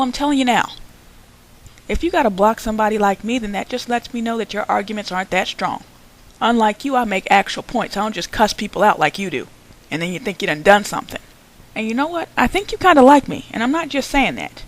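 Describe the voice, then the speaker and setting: A woman's voice: medium pitch, rough recording. A young woman hosting her own channel, answering another vlogger in a sarcastic, combative response rant.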